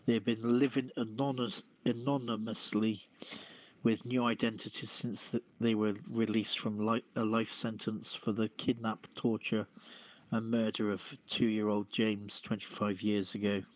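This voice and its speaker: A man hosting a news podcast with a halting, hesitant delivery, reading out items and announcements. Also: fairly low pitch, level tone, a little mellow, no echo. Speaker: podcast host. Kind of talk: reading news and show sign-off. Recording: phone-like lo-fi streamed voice channel.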